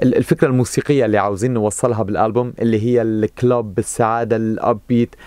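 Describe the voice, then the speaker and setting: A man speaks at a moderate pace, hardly pausing, in a dark, mellow tone with fairly even intonation. His loudness stays very even against a quiet background. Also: dry sound with no echo. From Syria. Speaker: singer; interviewee. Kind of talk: interview. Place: studio. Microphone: handheld.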